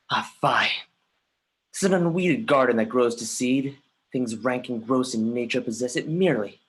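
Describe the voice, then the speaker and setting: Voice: medium pitch, natural voice. An actor playing a grieving, bitter young prince in a livestreamed Shakespeare reading, with brooding, emphatic verse delivery.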